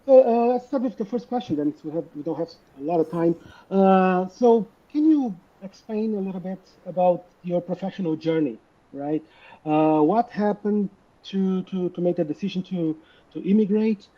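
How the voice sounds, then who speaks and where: Seorang wanita moderator yang mengajukan pertanyaan dengan tersendat dan sering mengulang kata. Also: female voice, lowish voice, dull audio. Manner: halting, repeats words. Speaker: panel moderator. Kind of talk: asking interview questions.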